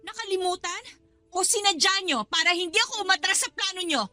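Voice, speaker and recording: A woman's voice: extremely high pitch, brisk, pushed and bright, no room sound, faint music behind, full character voice. An actress playing a distressed, reproachful young daughter in a radio drama, questioning her mother with open emotion. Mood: confronting.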